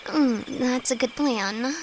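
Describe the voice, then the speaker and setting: A woman's voice: high-pitched, slow pace, a little hiss or hum, low-quality recording. A woman playing a timid, easily frightened young apprentice alchemist, affectionate and hesitant, with a nervous stammer, in a fantasy audio roleplay. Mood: anxious, reluctant. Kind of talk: fantasy roleplay audio drama, intimate one-sided dialogue. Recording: night cricket and insect ambience throughout. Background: crickets and forest ambience.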